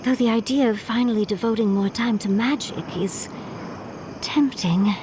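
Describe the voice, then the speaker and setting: An actress playing an earnest, excitable young wizard in a video game, expressive and a little hesitant. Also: female voice, on the high side, moderate pace, noisy background, lightly acted. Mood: flustered, excited. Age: young adult. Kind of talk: video game character acting.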